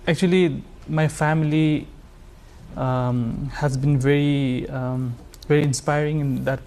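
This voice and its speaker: A man from Nepal, a sarangi player chatting as a guest, halting and full of fillers. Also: on the high side, steady tone, a little mellow. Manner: halting, many fillers like "uh" and "like", friendly. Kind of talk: casual interview chat.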